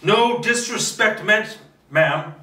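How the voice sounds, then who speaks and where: A man's voice: sits high, takes it slowly, sharp tone, slight background noise, pitched above the performer's own voice, exaggerated voice. A man playing a polite, concerned policeman in his twenties, earnest and courteous, in a screenplay table read. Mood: concerned, respectful. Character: polite, concerned policeman aged twenty-seven, respectful neighbor. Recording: roomy, distant microphone.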